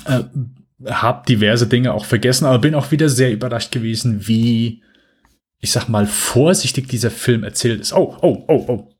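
A man's voice: medium pitch, fairly even intonation, normal speed, breathy edge. A man co-hosting a podcast, chatting casually in a rambling, hesitant way with many fillers. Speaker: podcast co-host. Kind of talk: casual chat.

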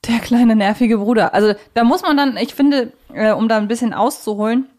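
A woman's voice: a little high, brisk, a little mellow. Woman in casual, analytical podcast talk. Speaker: podcast host.

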